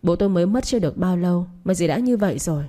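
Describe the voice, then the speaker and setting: Casting: woman reading a remorseful young man, curt and reproachful, low warm voice, storybook read. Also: expressive, rapid-fire.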